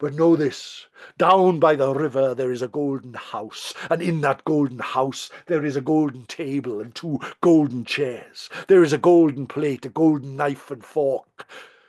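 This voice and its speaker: Put-on character voice from a man, pitched fairly high, delivered at a moderate pace. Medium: read story. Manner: grand, hospitable.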